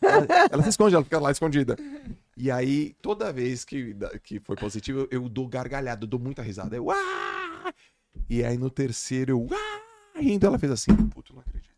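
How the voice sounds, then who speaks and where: A man in his forties hosts a podcast in casual chat, telling stories with animated energy and big laughs. His voice moves a lot in pitch and carries a gravelly edge. The sound is dry and close to the mic. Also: a little fast, no room sound. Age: 40s. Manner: animated storyteller, bursts into loud laughs. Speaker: podcast host.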